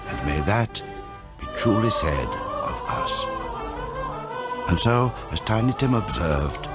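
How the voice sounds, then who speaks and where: A solemn, benevolent English narrator of a Victorian radio drama. His low voice moves through very wide swings of pitch, over prominent music. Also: wildly swooping pitch, takes it slowly, full character voice. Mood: solemn, warm.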